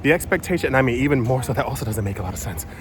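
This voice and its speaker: A man filming a casual vlog outdoors, rambling with many fillers and restarts, often keeping his voice low in public. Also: lively intonation, very fast. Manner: drops his voice to talk quietly in public. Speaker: crypto vlogger. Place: outdoors on a city street with traffic. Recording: street traffic noise behind.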